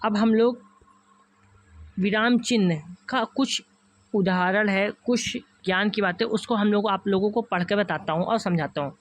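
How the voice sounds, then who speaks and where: Speaking a little slowly in a high-pitched voice, a man with a north Indian Hindi accent leads an online exam-prep class. He treats viewers as friends and patiently reviews each answer choice several times.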